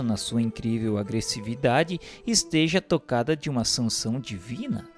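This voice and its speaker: A man delivers a formal, scripted spiritual narration over music. His mid-pitched voice moves expressively up and down, with a solemn, measured, oratorical delivery.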